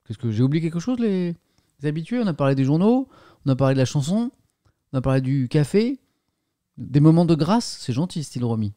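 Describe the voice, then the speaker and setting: A man's voice: on the high side, big pitch swings, fairly quick, dark tone, dry recording, clean studio sound. A middle-aged man hosting a casual livestream, chatting and joking as he reads out viewer messages, often stumbling over and repeating his words. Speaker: livestream host.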